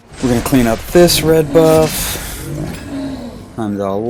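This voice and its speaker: Over noticeable background noise, a man speaks with ordinary pitch variation. His pace is fairly slow. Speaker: gaming youtuber. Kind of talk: gameplay commentary.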